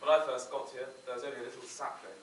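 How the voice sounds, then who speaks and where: A woman's voice: extremely low pitch, steady tone, racing. A woman playing an amiable, slightly dim old stag in an amateur comic pantomime. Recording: echoey hall, distant mic, faint noise.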